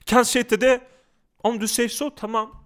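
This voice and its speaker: A man voicing a brash, excitable comedian who speaks loud, broken Swedish. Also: extremely high pitch, pitched above the performer's own voice. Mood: cheeky. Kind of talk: comedy podcast sketch.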